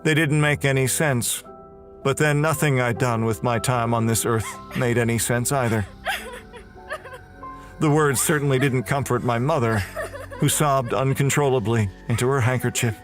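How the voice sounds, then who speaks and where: An actor playing an unrepentant condemned murderer who narrates his own execution in a heavy, deliberate horror audio drama style. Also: mid-range voice, lightly acted. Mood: grim, resigned. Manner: slow, heavy, deliberate, halting delivery. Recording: music under the voice.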